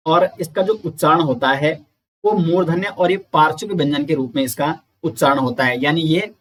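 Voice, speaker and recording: A man giving an exam-prep lecture, explaining slowly, repeating sounds and counting aloud. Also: on the high side. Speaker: teacher.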